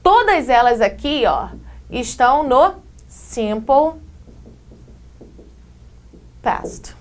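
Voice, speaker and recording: A woman with a Brazilian Portuguese accent teaching English grammar in a casual, slangy video lesson, reading example sentences slowly. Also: sits high, sing-song. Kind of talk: video lesson for exam prep.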